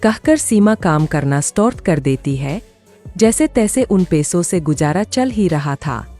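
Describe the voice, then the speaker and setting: A woman narrates a cartoon moral story in an expressive way. Her voice is low and mellow yet moves around a lot. Soft music plays beneath. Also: measured pace.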